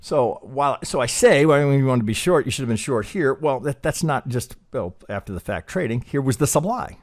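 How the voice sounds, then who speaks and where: A middle-aged man hosts a trading channel, casually walking through chart analysis while rambling, swearing, and asking "right?" over and over. His mid-range voice is expressive and brisk.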